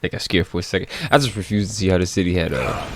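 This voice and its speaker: Low gravelly man, casual gamer. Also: rapid-fire, fairly bright tone, a little hiss or hum. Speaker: gaming content creator. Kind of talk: casual let's play commentary with bits of singing.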